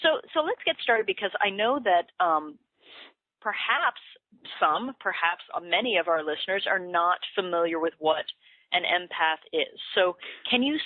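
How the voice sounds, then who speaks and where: A woman with a slightly low voice hosts an interview in a conversational, somewhat halting way. She comes through a thin, phone-like connection, dry and without room sound. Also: animated, no echo. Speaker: interview host. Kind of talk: conversational hosting of a call. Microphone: telephone. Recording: dry, tinny phone line.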